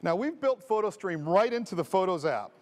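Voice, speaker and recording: A man's voice: high-pitched, sing-song, brisk, a little mellow. A man giving a live product demo on a large stage, walking through each step casually. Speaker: company executive giving a demo.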